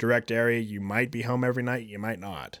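In an unremarkable speaking voice, a man talks at a moderate pace and medium pitch, with fairly even intonation. The recording is very clean, the background silent. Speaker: podcast host and truck driver. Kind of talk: casual chat. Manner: rambling, profane.

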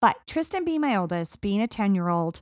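In a very clean recording with a silent background, a woman of medium pitch uses a normal speaking voice with lively intonation. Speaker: podcast co-host. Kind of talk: casual chat.

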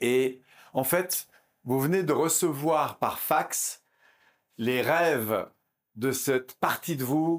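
At a very slow pace, a man with a fairly high pitch and ordinary pitch variation is heard in a very clean recording with a silent background. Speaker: NLP trainer. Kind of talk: guided visualization.

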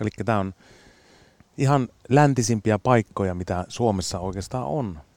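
A man speaks at a fairly low pitch. The recording is very clean, dry and close with no echo, with a silent background. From northern Finland, Kemi area. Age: 50s. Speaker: campsite owner. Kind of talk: interview. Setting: outdoors at a campsite.

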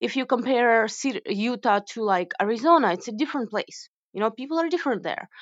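Lively intonation and a fairly quick pace from a high-pitched woman. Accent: Ukrainian. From Ukraine. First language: Ukrainian or Russian. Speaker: interviewee, Ukrainian who lived in the US. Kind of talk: casual interview chat. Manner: halting, hesitant with fillers.

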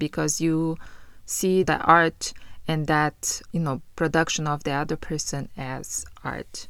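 A woman speaks with a non-native accent in a very deep, low voice at a fairly slow pace. The recording is very clean, with a silent background. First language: not English. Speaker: podcast host, mixed media artist. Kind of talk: solo podcast monologue.

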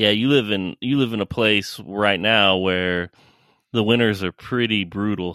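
Speaking with an American accent, a man delivers a bright, sharp tone in a fairly low pitch at a fairly slow pace, the sound dry and close with no echo on a very clean recording with a silent background. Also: fairly even intonation. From United States. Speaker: podcast co-host. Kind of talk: casual chat.

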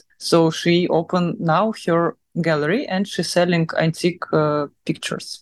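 A woman with a Russian accent, fairly low in pitch, at a moderate pace, with very even loudness and fairly even intonation. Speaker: singer and artist. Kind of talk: interview.

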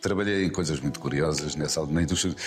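Music plays in the background behind a man's voice. His pitch is very deep and low, with ordinary variation. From Portugal, Ribatejo. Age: 60s. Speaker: actor. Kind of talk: interview. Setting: outdoors.

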